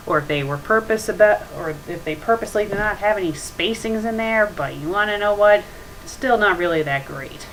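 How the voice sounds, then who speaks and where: This woman has a mid-range, fairly bright voice and casually reads aloud and critiques as a web show host. She's blunt, nitpicking, and mildly profane. Her webcam microphone is noisy, with ambient hiss.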